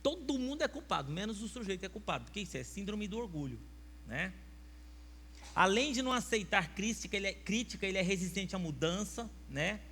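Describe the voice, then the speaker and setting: In a church sanctuary, a man with a Brazilian Portuguese accent preaches as pastor, emphatically firing rhetorical questions at the congregation. His high-pitched voice is animated, brisk, bright and forceful. The recording carries church hall reverb and a faint mains hum.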